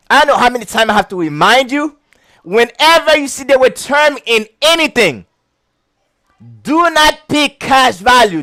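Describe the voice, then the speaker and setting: The pitch here is extremely high, and there's no echo. A man with a heavy accent, clearly not a native English speaker, gives a casual video lesson on insurance licensing. Chuckling frequently, he repeats the essentials in an animated, teacherly manner.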